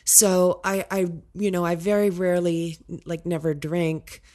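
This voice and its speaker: A woman from Canada with a low voice for a woman, chatting as a podcast guest and telling lively, playful stories. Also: a little slow. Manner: animated, playful storyteller who laughs through her stories. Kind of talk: casual chat.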